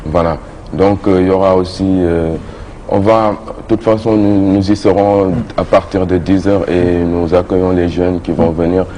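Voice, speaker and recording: A young man from Senegal speaks with a very deep, dark voice. He talks in an earnest, measured way and pauses on fillers. A faint hum runs underneath. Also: little pitch movement. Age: young adult. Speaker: youth association leader. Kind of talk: casual morning-show talk.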